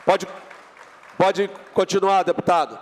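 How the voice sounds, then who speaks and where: A man's voice: high voice, a little slow, long reverb tail, some chatter behind. A man chairing a legislative session in a chamber, firm and procedural, repeating polite requests. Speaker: session president.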